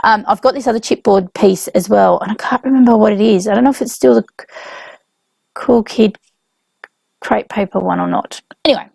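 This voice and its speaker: A woman with a young child, hoarse from illness, casually narrating her scrapbook process with lots of ums and self-corrections. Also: mid-range voice, brisk, long pauses, darkish tone, dry recording. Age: adult with a young child. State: hoarse, voice coming and going from illness. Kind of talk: casual voice-over narration of a craft video.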